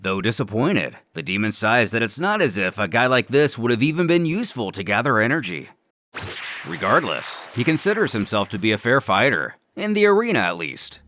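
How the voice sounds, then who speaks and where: A man's voice: mid-range voice, fairly bright tone, slight background noise. A man delivering dramatic scripted narration in a theatrical, emphatic way, as the narrator of a fan story recap.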